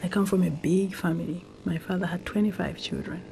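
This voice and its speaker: A Zambian woman whose first language is Tonga, telling her life story in a reflective, unhurried way with pauses and restarts. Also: on the low side, fairly even intonation, vocal fry, dark tone, a little hiss or hum. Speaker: documentary interviewee.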